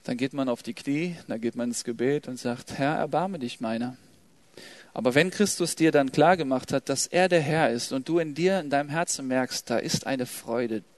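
A man preaching to young people, emphatic and urgent, then dropping to a soft, quiet prayer. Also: mid-range voice, moderate pace, few pauses, no echo. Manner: emphatic, swings from loud exhortation to soft prayer. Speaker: youth preacher. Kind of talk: sermon.

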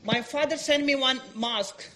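A young woman from Pakistan speaks with a Pakistani accent, her voice sitting a little above the usual pitch. She gives her testimony in halting, simple English. She stops often for fillers and searches for words. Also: sharp tone, slight background noise. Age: 20s. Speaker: guest speaker giving testimony.

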